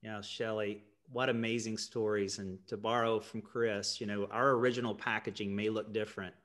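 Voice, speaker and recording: A man's voice: lowish voice, flat delivery, moderate pace, fairly bright tone. A middle-aged man from West Virginia with a light West Virginia accent, moderating a panel and affirming the speakers before asking his questions.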